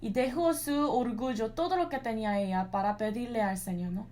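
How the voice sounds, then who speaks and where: A woman's voice: a little high, fairly quick, dark tone. A woman interpreting a Sunday sermon, earnest and full of restarts, often tagging her lines with a questioning "right?". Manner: earnest, with frequent restarts and "¿no?" tags. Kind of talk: live Spanish interpretation of a sermon.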